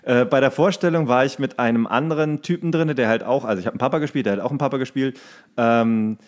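A male podcast co-host talks in a casual, colloquial way. His pitch sits in the middle for a man. He tells anecdotes and slips into re-enacted dialogue as he goes. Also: quick pace.

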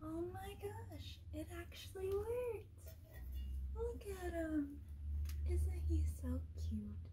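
A young woman doing a soft-spoken, half-whispered ASMR roleplay as a kindly leprechaun queen, gentle, cooing and doting, close up in a small room. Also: very high voice, expressive, takes it slowly, background noise. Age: young adult.

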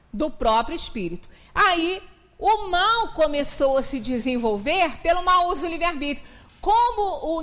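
Uma mulher de meia-idade, do Brasil, dá uma palestra espírita numa sala pequena, explicando com ênfase e perguntando "né?" com frequência. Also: female voice, sits high, a bit bright. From Brazil. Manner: explanatory, emphatic, often adds "né?". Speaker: spiritist lecturer. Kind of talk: lecture at a spiritist center. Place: small meeting room, indoors.

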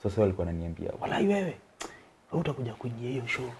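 A man's voice: medium pitch, sing-song, rapid-fire, darkish tone, slight background noise. A young Kenyan man with a Kenyan accent, a comedian guest telling his story in a casual interview, rambling and chuckling, mixing in slang, on an indoor studio set.

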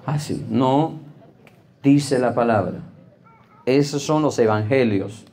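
A young adult man, preaching a sermon as pastor, repeating phrases and breaking into sudden emphatic high-pitched bursts. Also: slow pace, dark tone. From Peru. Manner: acts out callers' voices in a higher pitch while telling stories.

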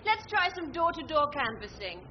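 A woman's voice: high-pitched, very animated, moderate pace, faint music behind. A woman playing a supportive, soothing companion in a radio sitcom. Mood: encouraging. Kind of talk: scripted radio sitcom acting. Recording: muffled, faintly hissy comedy recording.

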